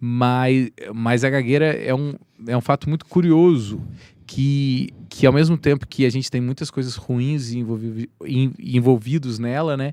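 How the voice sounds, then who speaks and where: With fairly even intonation, a man's voice sits at a medium pitch and carries a dark, mellow tone. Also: fairly slow pace, very clean recording, silent background. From Brazil, Minas Gerais (São João del Rei). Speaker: tenor singer. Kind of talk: podcast interview.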